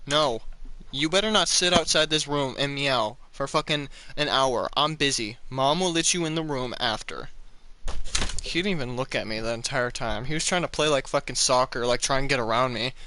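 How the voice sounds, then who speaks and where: A man's voice: medium pitch, normal speed, sharp tone. A man hosting a casual podcast, cursing freely and joking while reading fan fiction. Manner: profane, joking, easily laughing. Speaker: podcast host.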